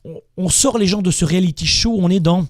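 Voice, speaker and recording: A man's voice: sits high, a little fast, a little mellow, no echo, studio quality. A man hosting a motivational call-in show, speaking emphatically and repeating words as he builds a point. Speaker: host taking live calls.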